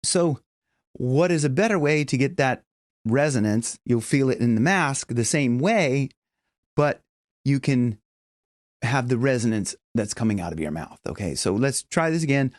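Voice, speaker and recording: A man's voice: mid-range voice, animated, normal speed, no room sound, studio quality. A middle-aged man giving an instructional voice lesson as a vocal coach, explaining things step by step. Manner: demonstrates with hums and sung tones. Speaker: vocal coach and professional singer.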